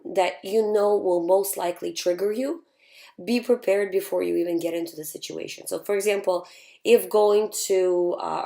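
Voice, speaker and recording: A woman hosting a live show and answering viewer questions in a calm, reassuring way, her voice still hoarse from having lost it. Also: mid-range voice. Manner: calm, reassuring, repeats key points. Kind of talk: casual advice talk.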